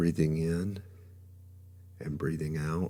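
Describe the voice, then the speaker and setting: Soft-spoken, a man talks in a very deep, low voice with a dark, mellow tone. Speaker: meditation guide. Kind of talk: ASMR guided meditation. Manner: soft-spoken, slow, relaxing.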